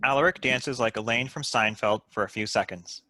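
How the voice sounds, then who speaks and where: A man's voice: medium pitch, moderate pace, sharp tone, dry recording. A man reading stage directions as scripted narration for a comedy table read.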